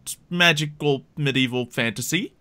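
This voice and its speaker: A man's voice: a little high, moderate pace, bright, forceful tone, clean tone. A man hosting a roleplay game stream, chatting casually and narrating the adventure off the cuff. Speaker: game master and stream host. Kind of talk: casual livestream chat and improvised tabletop narration.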